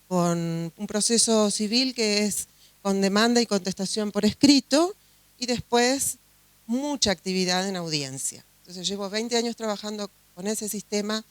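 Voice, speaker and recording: A woman's voice: fairly low pitch, dry recording. A woman from Uruguay with a Uruguayan Spanish accent, a judge giving a chatty conference talk full of fillers and restarts. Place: conference hall.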